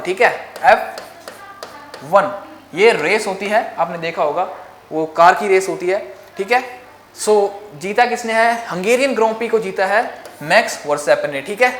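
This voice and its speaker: A woman's voice: on the low side, a little hiss or hum. Indian woman teaching in an echoey room. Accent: Indian English. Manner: repeats key facts with frequent "ok?" check-ins. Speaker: exam coaching teacher. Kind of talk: current affairs exam lesson.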